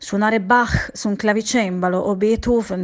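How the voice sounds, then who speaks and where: A woman with an unremarkable speaking voice, medium pitch and fairly even intonation, at a fairly slow pace against a quiet background. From Bari, southern Italy. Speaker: harpsichordist and keyboard musician. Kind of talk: radio interview. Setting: studio.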